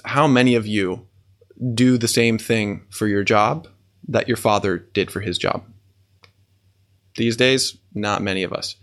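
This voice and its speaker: A man hosts a faith podcast in a mid-pitched voice. He talks earnestly and breaks into awed exclamations. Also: a bit bright. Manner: earnest, exclaims in awe and wonder. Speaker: podcast host. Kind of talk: faith podcast talk reading listener comments.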